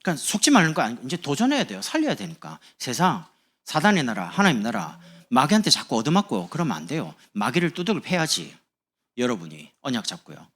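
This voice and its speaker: A man's voice: medium pitch, huge pitch swings, fast talker, a bit bright. A man preaching as a pastor, speaking in a chatty, humorous sermon to his congregation in a church. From Busan, South Korea. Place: church sanctuary.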